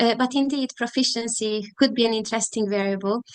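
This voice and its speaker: Her pitch fairly high, a woman speaks with a Hungarian accent. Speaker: professor. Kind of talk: academic Q&A.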